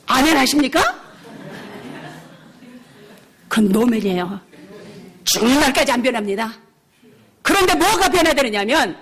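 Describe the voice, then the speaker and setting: An older woman missionary preaching a revival sermon, telling a personal story with lively acted-out dialogue and frequent laughter. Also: high-pitched, slightly rough. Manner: animated storytelling, acting out her own shouting; laughs often while preaching.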